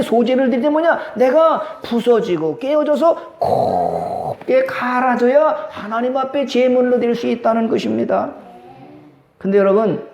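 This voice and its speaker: A male pastor giving a Sunday sermon, animated and conversational, often asking the congregation questions. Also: very high voice. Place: church sanctuary. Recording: echoey church hall.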